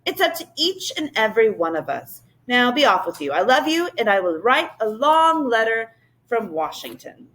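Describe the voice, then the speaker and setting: A woman voicing a kindly, wise male professor who gently encourages children. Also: a little high, big pitch swings, moderate pace, poor audio. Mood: earnest encouraging.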